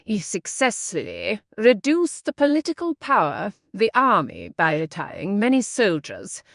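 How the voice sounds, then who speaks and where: Woman reading aloud with lively intonation. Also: mid-range voice, normal speed, no echo, studio quality. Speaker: reader of exam practice passages. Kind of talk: scripted read-aloud.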